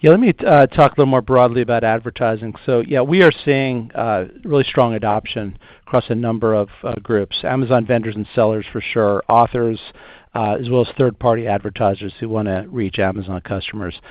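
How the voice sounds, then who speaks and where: A man answering analysts on an earnings call as a finance executive, in a halting, measured way. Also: mid-range voice, no room sound. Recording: muffled conference call audio.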